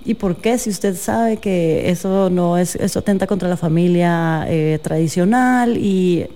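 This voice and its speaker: A young woman from Guatemala City with a Guatemalan Spanish accent, speaking as a guest in a casual interview and telling stories with thoughtful pauses. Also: lowish voice, dark tone. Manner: thoughtful, storytelling with hesitations.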